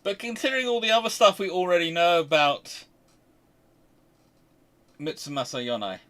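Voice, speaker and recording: A man's voice: fairly high pitch, sing-song, moderate pace, sharp tone. A man hosting an unscripted history discussion, talking emphatically and rambling, often restarting his sentences mid-thought. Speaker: host and naval historian.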